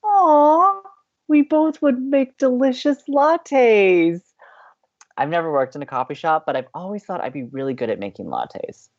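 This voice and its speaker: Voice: mid-range voice, lively intonation, measured pace, highs cut off. A performer playing an upbeat, chatty young college radio co-host in an audio drama, teasing and playful. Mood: excited, playful. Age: young adult.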